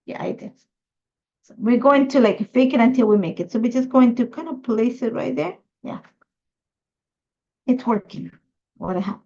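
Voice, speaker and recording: A woman's voice: a little high, animated, normal speed, long pauses, darkish tone, highs cut off. A middle-aged woman from Ecuador, chatty and thinking aloud as she hosts a live scrapbooking tutorial. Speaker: craft host.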